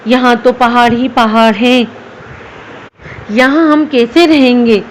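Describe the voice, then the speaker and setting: A woman voicing a poor widowed village mother who pleads softly for her daughters in a storybook tale. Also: fairly high pitch, steady tone, slow pace, slight background noise. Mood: worried.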